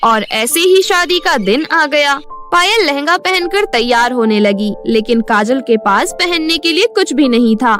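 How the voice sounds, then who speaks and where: A woman's voice: high voice, lively intonation, measured pace, a bit bright. A woman narrator reading a scripted story. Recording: music behind the voice.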